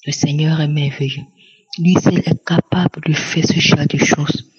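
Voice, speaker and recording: A woman's voice: low voice, steady tone, unhurried, husky, highs cut off. A young woman, giving an earnest, repetitive, grateful testimony. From Cameroon. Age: young adult. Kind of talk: spoken testimony.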